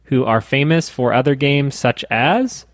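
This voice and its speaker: Man, podcast co-host, methodical rules explainer, dry teasing, mid pitch, dead-dry sound. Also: lively intonation, unhurried, dry recording. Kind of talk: casual board game chat.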